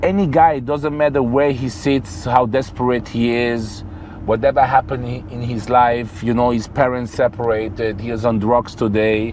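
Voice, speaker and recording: Noticeable background noise is present. A man speaks, his pitch varying in an ordinary way. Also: medium pitch for a man, moderate pace. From Switzerland. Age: 40s. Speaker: nightlife entrepreneur. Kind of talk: podcast interview.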